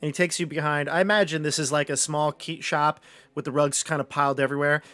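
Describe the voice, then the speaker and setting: A man narrating a tabletop game as game master in an improvised, conversational, halting way. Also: on the high side, steady tone, sharp tone, dry recording. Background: music.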